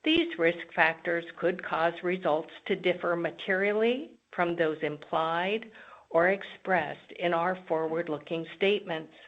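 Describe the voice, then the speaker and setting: A woman formally reading a scripted disclaimer as the moderator of a company conference call. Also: on the low side. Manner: formal, reads long lists item by item. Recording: dull, band-limited conference call audio.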